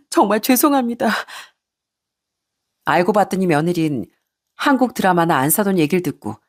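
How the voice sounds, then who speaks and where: Woman narrating a confessional radio story. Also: fairly low pitch. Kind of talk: scripted first-person story narration.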